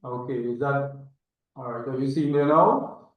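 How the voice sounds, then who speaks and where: Older Trinidadian male presenter, mid-pitched, hesitant and reflective, on muffled online-meeting audio. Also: measured pace. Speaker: agronomist and institute chairman, presenter. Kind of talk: informal conference presentation. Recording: echoey, distant, dull online-meeting audio.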